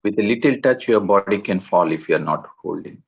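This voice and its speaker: A man guiding a meditation in a gentle, deliberate way, speaking in short phrases with long pauses between them. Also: fairly low pitch, lively intonation, creaky, breathy edge. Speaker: meditation guide. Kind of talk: guided meditation instruction.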